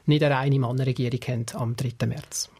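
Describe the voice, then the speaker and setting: A man with a Swiss German accent giving measured, explanatory political analysis in a radio interview. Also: mid-range voice, steady tone, warm tone, husky.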